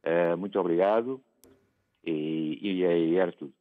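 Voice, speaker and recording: A man phoning in to a TV talk show to give his opinion, talking haltingly with many fillers and restarts. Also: low voice, no echo. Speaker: phone-in caller. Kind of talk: call-in opinion. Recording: tinny phone line.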